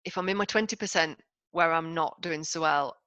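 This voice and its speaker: A woman's voice: low-pitched, brisk, bright, forceful tone, dry recording. A woman speaking as a podcast guest, candid, emphatic and self-deprecating in casual conversation. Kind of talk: candid casual interview talk.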